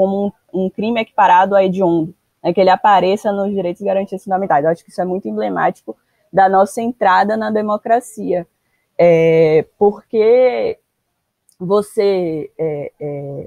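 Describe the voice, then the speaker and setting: This woman has a medium pitch, ordinary pitch variation and a dark, mellow tone. She talks at a moderate pace in a dry, close recording with no echo. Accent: northeastern Brazilian. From Salvador, Bahia, Brazil. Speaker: lawyer and legal researcher. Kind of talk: podcast interview answer.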